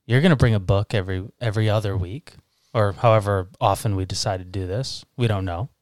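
Joking man in his thirties, smooth dry voice. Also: lowish voice, fairly quick, darkish tone, dry recording. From Massachusetts, USA. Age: 30s. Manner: joking, teasing, laughs often. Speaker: podcast co-host. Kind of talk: casual chat over beers.

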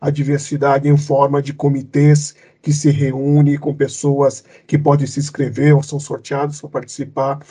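A man's voice: mid-range voice, monotone, moderate pace, hardly any pauses, dark tone, husky. A man from Cape Verde, a company leader, answering interview questions thoughtfully, with many fillers and restarts. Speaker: company executive, guest.

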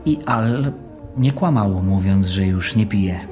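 A man's voice: fairly low pitch, slow, darkish tone, faint music behind. An actor playing a proud, guarded man applying for a job in an audio drama, polite and controlled. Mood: earnest, defensive. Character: former teacher seeking a caretaker job, man, guarded, proud.

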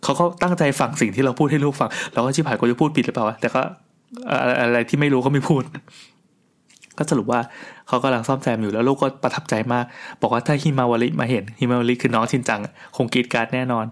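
A man's voice: mid-range voice, fairly even intonation, quick pace. A middle-aged man casually telling a long personal story in a chatty, rambling way, with restarts and crude asides.

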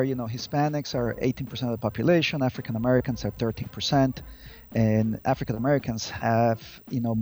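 Higher-pitched man in his fifties, lo-fi. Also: a little mellow. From Colombia. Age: 50s. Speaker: interview guest, advocacy group spokesman. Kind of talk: conversational interview answers. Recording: dull lo-fi audio with music.

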